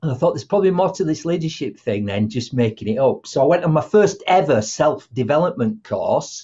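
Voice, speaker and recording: In a Yorkshire accent, a man speaks with lively intonation. His voice is somewhat breathy. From Yorkshire, northern England. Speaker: motivational speaker. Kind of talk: casual chat. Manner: animated.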